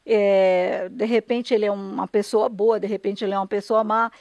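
Older Brazilian woman, interview guest. Gravelly fry in the voice, dry close sound, emphatic but conversational delivery. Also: a little high, a little mellow, dry recording. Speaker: radio drama writer and director, interview guest. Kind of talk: conversational interview, explaining her work.

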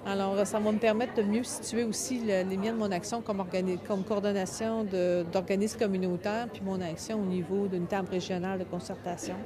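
A woman's voice: mid-range voice, fairly even intonation, brisk, hardly any pauses. Québécoise woman amid crowd chatter. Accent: Quebec French. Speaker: community organization coordinator.

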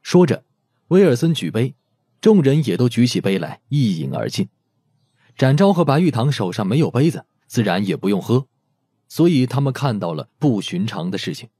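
A man's voice: mid-range voice, very animated, moderate pace, warm tone, slightly rough, dry recording, clean studio sound. A man narrating a scripted audiobook story expressively.

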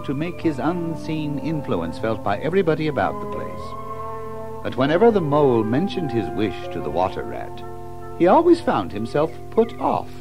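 A man narrating a scripted children's story as an expressive storyteller. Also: mid-range voice, low-quality recording.

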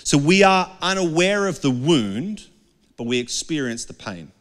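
Middle aged aussie pastor preaching, chatty and earnest, handheld mic, echoey hall. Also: male voice, on the high side, very animated, measured pace. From Australia. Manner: conversational, earnest, asks the crowd questions. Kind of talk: sermon. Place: dark indoor stage with a couch. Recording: long hall reverb.

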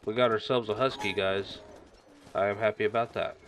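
A man hosting a gaming channel, chatting casually and reacting excitedly as he plays, sniffling from a stuffy nose. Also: lowish voice, fairly quick, slight background noise. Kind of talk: casual game commentary.

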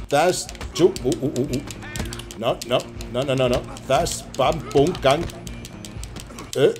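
Spanish guy streaming a game, swears a lot, voice jumps all over, bit of music under it. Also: mid-range voice. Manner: excitable, swearing, chatty asides to chat. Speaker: gaming streamer. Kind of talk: casual live gameplay commentary.

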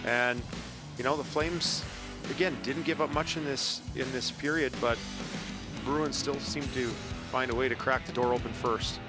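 Man in his forties, studio hockey analyst with a handheld mic. Relaxed, explains plays. Music bed clearly audible. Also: medium pitch, moderate pace. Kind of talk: sports post-game analysis. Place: TV studio desk.

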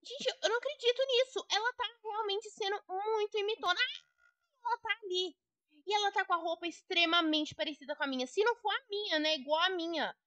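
A woman's voice: very high-pitched, brisk, a bit bright, dry recording. A young woman with a Brazilian Portuguese accent giving gossipy, indignant role-play commentary on a game to her viewers. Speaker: Roblox gamer.

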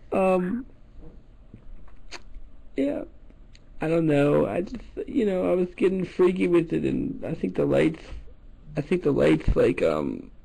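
A man putting on a melodramatic, easily offended gay man who makes a prank phone call, his gravelly voice swinging from mumbling and hesitant to shrill and wailing. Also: sing-song, slow, pauses often, dark tone, full character voice. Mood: embarrassed, hesitant. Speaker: prank caller.

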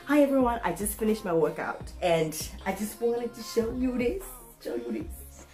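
A woman's voice: fairly high pitch, normal speed. Playful woman vlogger over background music. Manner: playful, animated, giggly, self-mocking. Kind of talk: casual chatty unboxing vlog. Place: room at home.

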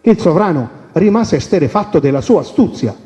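A man from Calabria, telling folk tales on the radio in an animated, playful way. The recording is a dull radio recording with long reverb. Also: a little high, a little fast. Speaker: storyteller. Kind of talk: folk tale storytelling on radio.

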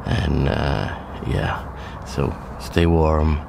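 Rumbling low with vocal fry and drawn-out words, the Norwegian wildlife photographer in his thirties speaks amid background noise. His casual vlog from a small forest blind is hesitant and full of fillers and restarts, occasionally hushed.

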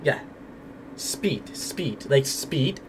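A man's voice: mid-range voice, animated, very slow, noisy background. A young man livestreaming on a headset mic in an indoor room, talking casually and hesitantly, often repeating the same word. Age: young adult. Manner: hesitant, repeats words over and over.

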